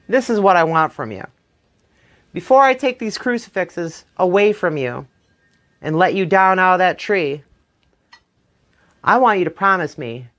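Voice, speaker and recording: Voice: medium pitch, fairly bright tone. A storyteller voicing Stingy Jack, a crafty, stingy trickster man who talks in a sly, wheedling way, in a told folktale. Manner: wheedling, sly, feigning innocence. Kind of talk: oral folktale telling.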